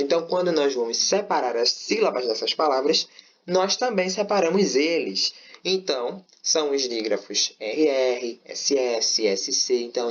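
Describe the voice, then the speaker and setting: A man's voice: mid-range voice, fairly bright tone. Patient man teaching grammar. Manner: patient, explains step by step, often checks with "certo?". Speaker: Portuguese teacher. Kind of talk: online grammar lesson. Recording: slightly dull, lo-fi audio.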